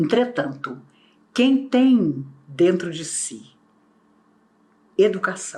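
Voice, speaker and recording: A woman speaks at a very slow pace with long, frequent pauses, her somewhat breathy voice carrying a dark, mellow tone, very wide pitch swings and audible room echo. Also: medium pitch for a woman. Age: 60s. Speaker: spiritist lecturer. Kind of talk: recorded lecture. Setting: recorded message online.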